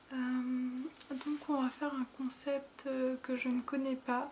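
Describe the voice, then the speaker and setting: A soft-spoken woman talks at a high pitch, very slowly, with long, frequent pauses. Her intonation is monotone and flat, and her loudness stays very even. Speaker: ASMR creator. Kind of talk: ASMR soft-spoken chat.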